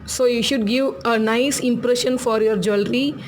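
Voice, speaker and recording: A woman's voice: fairly high pitch, fairly even intonation, normal speed, a little hiss or hum. A woman with a Tamil accent, a native Tamil speaker, giving a casual hands-on jewelry tutorial, chatty and laughing often as she repeats her instructions. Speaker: craft tutorial host.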